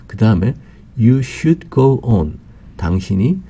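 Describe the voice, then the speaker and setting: A man teaching English grammar in a recorded lesson, explaining slowly and carefully, drawing out English example phrases with a Korean accent, and pausing on "ah" fillers. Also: medium pitch, big pitch swings, dark tone, breathy edge.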